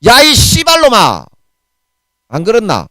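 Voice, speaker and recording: A man's voice: very high voice, huge pitch swings, unhurried, bright, forceful tone, no room sound. A man in his forties with a Gyeongsang Korean accent, preaching a sermon in a fiery, blunt way laced with harsh curses. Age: 40s.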